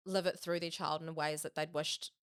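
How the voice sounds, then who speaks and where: A woman's voice: sits low, level tone, normal speed, fairly bright tone, smooth, no echo, studio quality. A young woman from New Zealand with a New Zealand accent, talking reflectively as a podcast guest with many fillers and hedges. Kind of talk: casual podcast conversation.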